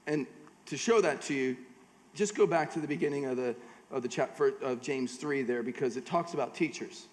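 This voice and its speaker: A man's voice: medium pitch, normal speed, a little mellow. American man preaching in an echoing hall. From United States. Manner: casual, joking asides between scripture readings. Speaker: guest preacher at a church conference. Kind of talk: conversational sermon. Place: large church auditorium. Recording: long hall reverb.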